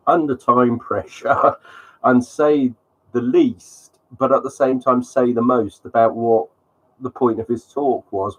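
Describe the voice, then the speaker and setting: A man's voice: on the low side, poor audio. A man with a cold, sounding sniffly, hosting a live stream and talking through slides in a rambling way with many ums. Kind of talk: casual live commentary on slides.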